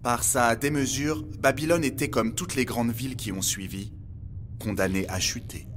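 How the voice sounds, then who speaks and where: An actor playing a learned, grave guide to Earth's past in an audio drama, speaking formally in a solemn, measured, probing way. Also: male voice, mid-range voice, fairly bright tone, slight background noise, close to an everyday voice. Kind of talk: audio fiction dialogue.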